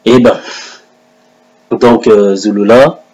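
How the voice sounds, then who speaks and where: A man's voice: on the low side, fairly even intonation, takes it slowly, darkish tone, breathy edge, low-quality recording. A man in a confrontational religious video monologue, taunting and challenging a rival he addresses directly. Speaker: online religious commentator.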